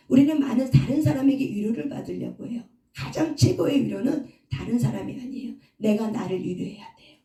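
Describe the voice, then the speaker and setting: A woman's voice: on the high side, mellow, distant mic. A woman pastor giving a sermon, asking the audience questions and answering them herself. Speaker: pastor and counselor. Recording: echoey hall, voice from off mic.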